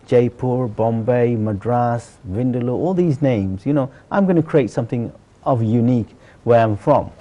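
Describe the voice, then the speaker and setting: Speaking at normal speed with hardly any pauses, a middle-aged man from Sylhet, Bangladesh, uses a mellow, mid-range voice. He's a celebrity chef being interviewed, earnestly sharing his own story in conversation, and his phrasing is emphatic and repetitive.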